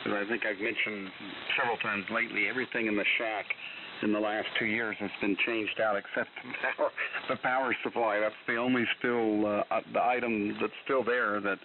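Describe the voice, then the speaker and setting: A man's voice: lowish voice, flat delivery, fairly quick. A man chatting casually over amateur radio, folksy and rambling. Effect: radio transmission. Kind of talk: casual ham radio chat. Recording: narrow-band shortwave radio, loud hiss.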